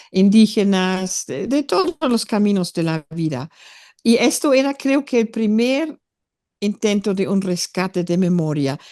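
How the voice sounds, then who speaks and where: A woman's voice: mid-range voice, a little mellow, no room sound, studio quality. An older woman from Germany, whose first language is German, speaking in a thoughtful, hesitant interview conversation as an author. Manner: thoughtful, hesitant, many fillers.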